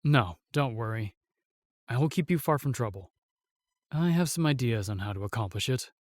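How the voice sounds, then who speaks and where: Protective royal guard for fantasy audio drama, male actor: earnest, measured, medium pitch, dry studio sound. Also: expressive, no room sound, natural voice. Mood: calm, resolute. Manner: formal, measured, reassuring.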